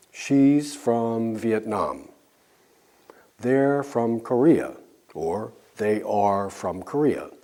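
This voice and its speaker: A man teaching an English lesson, drilling example sentences slowly and clearly with pauses for learners to answer. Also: medium pitch, a little mellow. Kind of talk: slow scripted language lesson.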